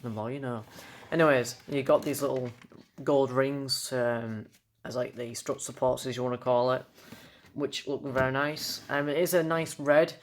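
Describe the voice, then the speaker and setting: A young British man talks through a collectible in a casual home-style review. His delivery is unscripted and halting, and he trips on words and restarts them. His voice sits at an ordinary mid pitch for a man. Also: steady tone, slight background noise. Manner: halting, stumbles over words and corrects himself. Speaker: toy collector reviewing an item on video.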